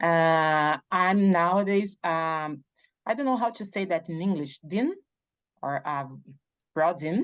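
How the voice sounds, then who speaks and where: A woman with a Brazilian Portuguese accent, fairly low in pitch, at a very slow pace with long, frequent pauses, over a quiet background. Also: ordinary pitch variation. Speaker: university dean and researcher. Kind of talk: interview conversation. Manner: halting.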